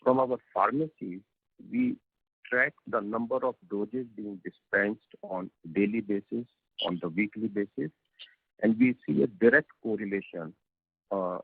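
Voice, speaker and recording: An Indian-accented man speaking as a company executive on a conference call, explaining in a measured, halting way with frequent hesitations. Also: on the low side, creaky, slightly rough, no room sound. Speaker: company executive answering investor questions. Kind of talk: earnings call answer, explanatory. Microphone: telephone conference call. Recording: tinny, narrow phone conference line.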